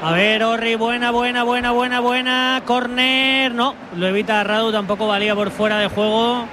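A man's voice: extremely high pitch, steady tone, moderate pace. A man with an accent from Spain doing live radio football commentary, chatty and joking with his colleagues. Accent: Spanish from Spain. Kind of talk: live match commentary with casual banter. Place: press area at a football stadium. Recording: loud stadium and street noise behind.

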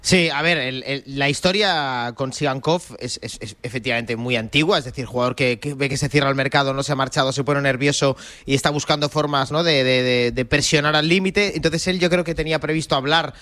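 A man discussing football spontaneously as a pundit, explaining things haltingly and repeating words as he goes. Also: medium pitch, steady tone, bright, forceful tone, dry recording. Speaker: sports pundit.

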